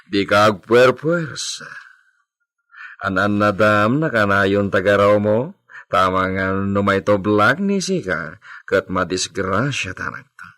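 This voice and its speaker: Man doing a soft doting rich husband, slow and deep-ish. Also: animated, exaggerated voice. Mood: tender. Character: landowner husband, tender and protective. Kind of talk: amateur audio drama acting.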